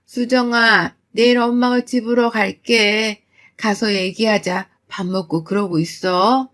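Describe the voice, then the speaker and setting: A woman voicing a protective middle-aged mother who scolds her daughter loudly. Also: on the high side, steady tone, takes it slowly. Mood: gentle. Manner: scolding, loud.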